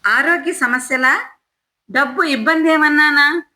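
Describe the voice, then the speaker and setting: A woman voicing a calm, reasonable husband who speaks in a soothing, persuading way. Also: high-pitched, unhurried, full character voice.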